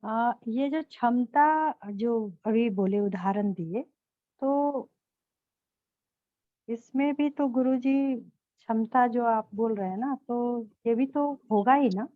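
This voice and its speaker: A woman asks questions in a spiritual session, haltingly and slowly, with many pauses and fillers. Her voice sits a bit high. It comes through a thin, phone-like line with no room sound. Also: no echo. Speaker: session participant asking questions.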